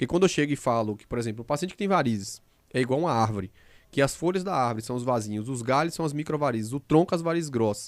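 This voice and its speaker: With very wide pitch swings, a man rushes along at a very fast pace, the recording very clean and the background silent. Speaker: podcast co-host and vascular doctor. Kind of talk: casual chat.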